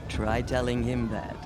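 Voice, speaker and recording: A woman's voice: rumbling low, sing-song, takes it slowly, heavily acted. An actress playing a kindly but commanding old tribal matriarch in a video game, wry and motherly. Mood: confiding, wry. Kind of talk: video game cutscene acting. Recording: loud outdoor ambience noise.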